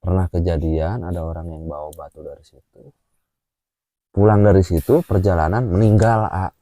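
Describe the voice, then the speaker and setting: A man recounts a personal experience in a relaxed chat. His voice is lowish and mellow, and it swings widely in pitch. The sound is dry and close. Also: normal speed, no room sound. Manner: animated, with frequent filler "ah" and "A", acts out gestures while telling. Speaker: guest telling his experience. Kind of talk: casual storytelling chat.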